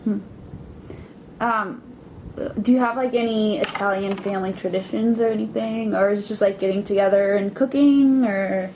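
A young woman asks casual, curious interview questions in an easygoing way. Her voice sits at a medium pitch. A faint room ambience hangs behind it. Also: fairly even intonation, normal speed, darkish tone, slight background noise, rough recording.

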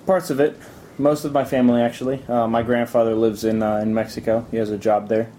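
A man's voice: medium pitch, flat delivery, fairly quick, mellow, slight background noise. A young man from Italy answering interview questions, hesitant, with many ums and restarts.

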